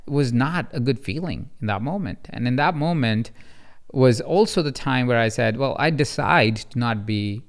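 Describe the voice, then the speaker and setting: A man in his thirties hosting a coaching podcast, telling personal stories and acting out quotes in an animated way. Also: moderate pace. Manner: animated, acts out quotes with rising pitch. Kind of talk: conversational storytelling.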